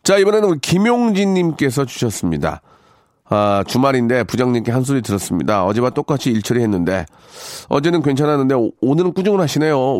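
Male radio host, polite and conversational, animated delivery with casual asides, close dry studio recording. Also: medium pitch, no room sound. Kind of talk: reading listener stories and commenting, casual radio talk.

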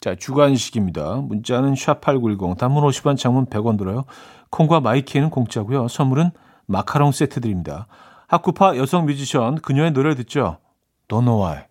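A man's voice: mid-range voice, lively intonation, fairly quick, darkish tone. A man hosting a radio quiz show, reading scripted lines in a playful, announcer-like way.

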